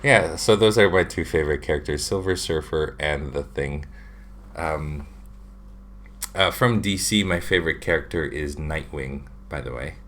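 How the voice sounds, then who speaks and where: Low-voiced man chatting on a livestream. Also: normal speed, a bit bright. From Philippines. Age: 30s. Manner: chatty, reads viewer questions aloud with many fillers. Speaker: livestream host, drawing channel. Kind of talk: casual livestream chat. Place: home room with shelves of figures. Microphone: webcam at desk.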